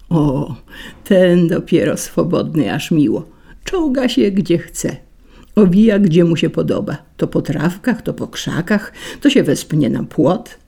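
A woman reading a storybook, voicing a cheeky male breeze spirit that mocks quickly and restlessly. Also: on the low side, creaky, warm tone, slightly rough, exaggerated voice.

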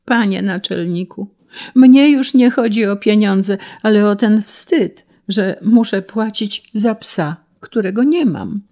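A woman's voice: mid-range voice, expressive, takes it slowly, warm tone, voice pushed up. A woman voicing a harried middle-aged man who pleads and protests, exasperated, against a dog tax in a storybook reading. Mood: pleading.

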